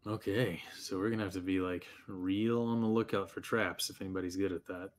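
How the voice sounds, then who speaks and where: A man's voice: low voice, steady tone, brisk. A man chatting casually as a player at a tabletop game.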